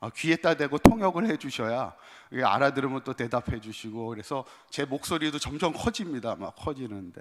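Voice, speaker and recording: Fairly high in pitch, a man's voice moves through very wide pitch swings and big swings in loudness. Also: fairly quick pace. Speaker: pastor. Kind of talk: sermon. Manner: conversational.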